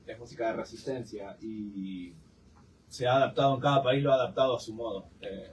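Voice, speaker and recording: A man's voice: fairly low pitch, a little mellow. A man with an Argentine accent speaking as a guest in a live panel discussion, hesitant and full of filler sounds, recorded in a forum hall. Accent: Argentine Spanish. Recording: distant mic with clear room noise.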